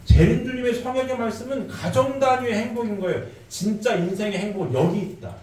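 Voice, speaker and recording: A man's voice: high voice, a little fast, darkish tone. A man preaching a sermon in a church, asking his listeners rhetorical questions. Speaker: pastor. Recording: echoey room, faint background noise.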